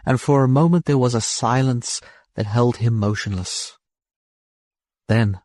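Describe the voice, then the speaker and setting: A man narrates literary fiction in a measured, expressive way. His pitch sits in the middle of the male range. The sound is close and dry, with no room to it. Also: no room sound. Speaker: audiobook narrator. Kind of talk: scripted narration of a science fiction short story.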